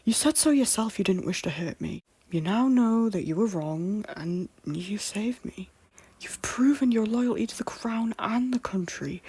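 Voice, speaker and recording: Woman voicing despairing young king, mellow husky tone, cynical, brooding, wounded, dry close sound, audio drama. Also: on the high side, no room sound. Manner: brooding, swings between muted and outbursts. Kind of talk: audio drama acting of a Shakespeare-style story.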